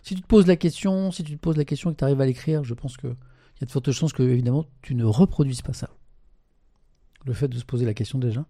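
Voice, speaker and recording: A man's voice: mid-range voice, fast talker, warm tone, no echo, studio quality. A man hosting a casual live stream who reads article passages aloud and comments on them, often tagging his sentences with a conversational "hein".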